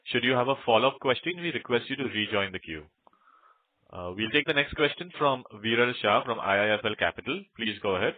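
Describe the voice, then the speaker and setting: A man's voice: mid-range voice, expressive, brisk, dry recording. A man making formal procedural announcements as the operator of a conference call. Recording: narrowband, phone-like conference line.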